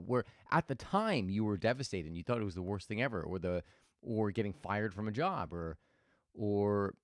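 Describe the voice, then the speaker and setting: A male host tells stories in a thoughtful, motivational manner, frequently restarting his sentences. His pitch rises and falls widely. The recording is dry and close, with no sense of a room.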